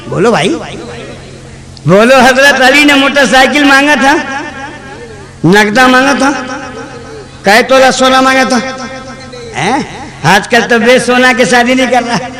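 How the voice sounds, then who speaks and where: A Muslim preacher giving a fiery sermon, shouting, mocking and firing rhetorical questions at his listeners. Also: extremely high pitch, measured pace, long pauses. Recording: crowd audible behind the speaker.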